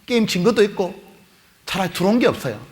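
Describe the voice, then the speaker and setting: Guy preaching to teens at a retreat, acts out the characters, pitch jumping all over, echoey hall. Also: quick pace. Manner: animated storytelling, acting out mother and kids in raised voices. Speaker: pastor. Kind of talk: youth retreat sermon with acted story. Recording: long hall reverb.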